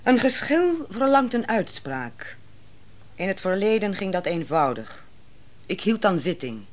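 A stately, expressive female judge. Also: medium pitch. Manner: stately, formal, deliberate. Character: authoritative female judge and leader, composed and probing. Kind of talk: Dutch radio play acting.

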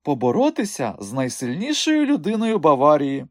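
A man's voice: on the high side, wildly swooping pitch, moderate pace, a little mellow, dry recording, studio quality, pitched above the performer's own voice. A man voicing a seductive middle-aged female circus owner who talks in a coaxing, flirtatious way.

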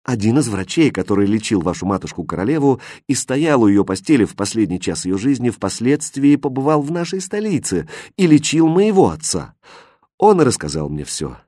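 A man's voice: medium pitch, sing-song, fairly quick, warm tone, dry recording, clean studio sound. A man voicing a passionate young king in an audiobook fairy tale, with earnest, impassioned delivery. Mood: ardent.

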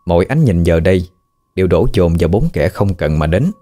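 A man with a Southern Vietnamese accent narrating a ghost story in a steady, measured way. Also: low-pitched. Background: faint background music.

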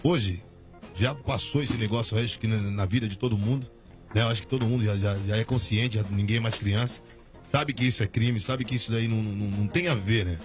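Fast-talking man telling a story. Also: lowish voice, soft background music. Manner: rambling storytelling with slang and restarts. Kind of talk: casual radio interview.

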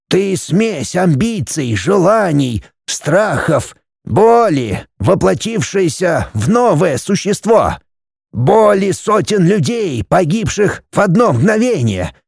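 Guy doing an old bearded mystic, raised thin voice, slow and solemn, mellow tone, swoops around a lot. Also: sits high, sing-song, gravelly, slightly rough, no echo, clean studio sound, pitched above the performer's own voice, exaggerated voice. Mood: calm mystical. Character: old grey-bearded man, calm, mystical and sorrowful.

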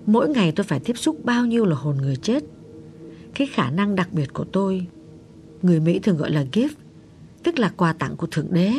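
A man doing an older woman psychic in a storybook reading, her voice lifted well above a man's usual register. She speaks gently and steadily but keeps pressing, solemn and patient. Faint music sits underneath. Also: high voice, very animated, fairly quick, voice pushed up. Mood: weary. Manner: gentle, coaxing, insistent. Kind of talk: audiobook character voice.

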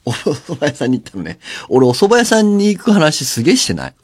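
A man's voice: fairly high pitch, fast. A man hosting a radio show alone, telling stories in a chatty, laughing way. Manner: chatty, laughing, storytelling with lively swings. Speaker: radio host. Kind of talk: casual solo radio chat. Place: radio studio. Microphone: studio mic.

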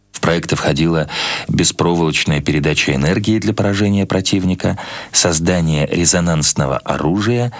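Very deep-voiced man narrating literary prose. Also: no room sound. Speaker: narrator, reader.

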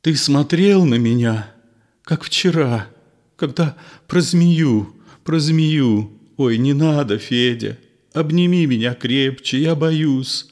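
A man's voice: medium pitch, slow pace, darkish tone, voice pushed up, close to an everyday voice. A man reading an audiobook play, voicing a frightened, clinging woman who pleads in a slightly raised voice. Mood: fearful.

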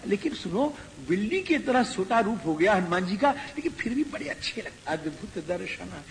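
A man with a high voice gives a devotional discourse. He chants verses and explains them, acting out characters. The hall around him echoes, and there is faint background hiss. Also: sing-song, moderate pace. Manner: chanting Sanskrit verses then explaining in Hindi, voicing characters. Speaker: Ramayana preacher. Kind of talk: devotional discourse with Sanskrit recitation.

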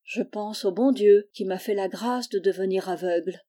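A woman reading as a gentle blind girl. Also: mid-range voice, moderate pace, lightly acted. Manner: soft, calm and resigned. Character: gentle blind young girl, pious and patient.

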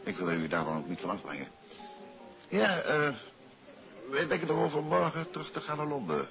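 An actor playing a suave, courteous detective and teasing husband in a 1950s Dutch radio play. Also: male voice, fairly high pitch, sing-song, normal speed, creaky. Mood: probing, measured. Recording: dull old radio recording, music behind.

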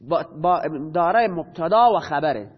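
High-voiced man teaching a grammar lesson. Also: very animated. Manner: poses questions and answers them himself; repeats key terms slowly. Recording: dull lo-fi recording.

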